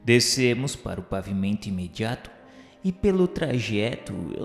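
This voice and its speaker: A man narrating a radio novel in a measured, solemn literary reading. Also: mid-range voice. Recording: roomy reverberant sound with music bed. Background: music.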